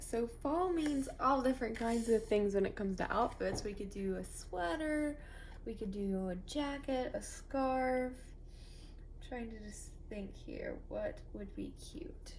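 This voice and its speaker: A woman's voice: a little high, a little hiss or hum. A woman with a stuffy nose from a cold, chatting casually and thinking aloud as she draws. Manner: relaxed, thinking aloud while drawing. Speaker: sketch artist vlogger. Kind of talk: casual drawing commentary.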